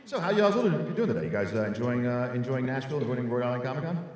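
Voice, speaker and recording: A man's voice: medium pitch, sing-song, fast talker. A man moderating a convention panel, bellowing introductions and then asking casual questions. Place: large convention hall. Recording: echoey hall from far off with crowd.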